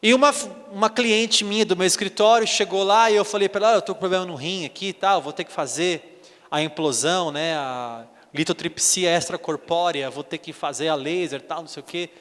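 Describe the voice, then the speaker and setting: With a long reverb tail behind his high, slightly quick voice, a man preaches as a bishop. He brings his stories to life by voicing each line of dialogue himself.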